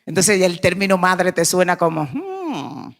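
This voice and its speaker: A woman pastor preaching a sermon, emphatic, moving between hushed passages and raised, urgent lines. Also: on the low side, level tone, fairly quick.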